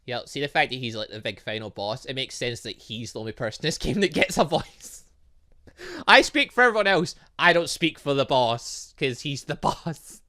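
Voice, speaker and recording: A man's voice: medium pitch, lively intonation, normal speed, pushed and bright. A man hosting a game playthrough, reading dialogue aloud and commenting in a theatrical, exclamatory way. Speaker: gaming video host.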